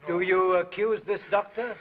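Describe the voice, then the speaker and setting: A curt, skeptical police prefect fires off short questions. His voice sits a little high. The 1930s soundtrack makes it thin and tinny, like a phone line. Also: fairly even intonation, normal speed. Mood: stern. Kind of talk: 1930s film acting.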